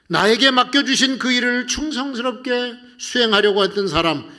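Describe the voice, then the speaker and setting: A male pastor preaching a sermon, telling the story in an animated way that swings between loud passages and hushed ones. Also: fairly high pitch.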